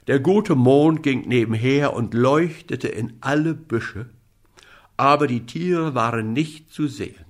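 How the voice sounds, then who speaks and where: A male storyteller reading a fairy tale aloud. He takes his time, and his lively voice rises and falls with the story. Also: medium pitch. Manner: expressive, slow storybook narration.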